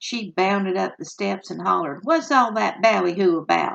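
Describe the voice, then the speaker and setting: A woman with a Southern US accent at a fairly slow pace. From North Florida. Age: 70s. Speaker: retired writing and literature teacher. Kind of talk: read story. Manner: humorous folk storytelling.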